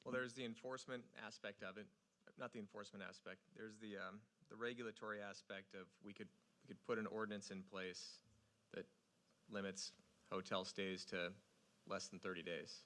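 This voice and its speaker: A man's voice: on the low side, little pitch movement, normal speed, a bit bright. A man advising a city council, explaining regulatory options as an official.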